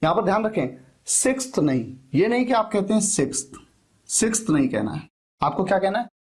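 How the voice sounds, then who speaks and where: A man teaching a spoken English lesson, explaining step by step and saying example phrases slowly. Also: high-pitched, sing-song, a little mellow, breathy edge.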